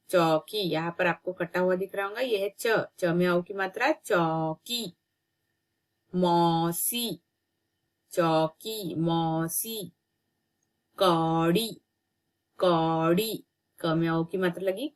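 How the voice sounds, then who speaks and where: Woman teacher, lowish voice, very slow and patient for young pupils. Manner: slow, drawn-out syllables, patient repetition. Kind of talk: children's reading lesson.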